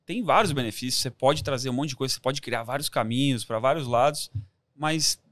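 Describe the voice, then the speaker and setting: A man's voice: mid-range voice, a little fast, fairly bright tone, no echo. A Brazilian man talking informally and enthusiastically as a podcast guest, with plenty of slang. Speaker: podcast guest, amateur triathlete. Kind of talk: casual podcast chat.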